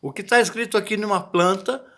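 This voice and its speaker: A man's voice: high voice, fairly quick, pushed and bright. A man giving a casual video lesson on botanical Latin, chatty and often searching for words. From Brazil. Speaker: botany teacher.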